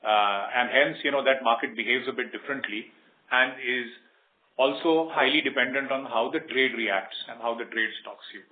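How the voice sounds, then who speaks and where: A man with an Indian accent, a company executive giving measured, explanatory answers on an earnings call. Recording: roomy, muffled low-bandwidth conference line.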